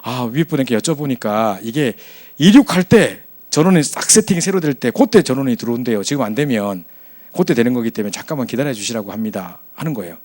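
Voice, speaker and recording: A man voicing a polite, flustered young female flight attendant who answers softly and hesitantly. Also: medium pitch, animated, fast talker, lightly acted. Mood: apologetic. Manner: hesitant, soft and apologetic.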